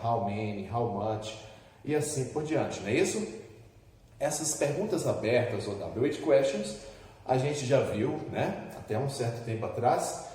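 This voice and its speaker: A man's voice: mid-range voice, warm tone. A Brazilian man teaching an English lesson to students at a board, patiently explaining step by step and often checking that they follow. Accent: Brazilian Portuguese. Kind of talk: classroom lesson. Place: classroom with a board. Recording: echoey room, voice from far off.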